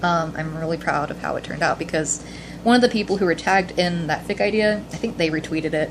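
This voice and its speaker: Fairly quickly, a woman mumbles her words. Noticeable background noise runs behind her. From US South. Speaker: fan fiction writer and vlogger. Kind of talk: casual vlog. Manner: fast; mumbling.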